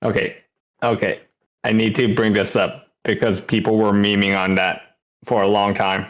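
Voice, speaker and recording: A man's voice: on the low side, flat delivery, normal speed. A man co-streaming a game, casually explaining its lore and joking along, with faint game music behind. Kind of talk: casual livestream chat over a game.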